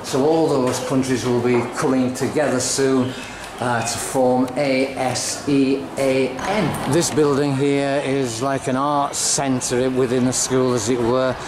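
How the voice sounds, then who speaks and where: A man making a casual vlog as he walks through a school, talking slowly with many pauses and uhs. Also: mid-range voice, flat delivery, echoey room, noisy background. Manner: slow, chatty, says uh often. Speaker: vlogger filming a school visit. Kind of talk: casual walking commentary.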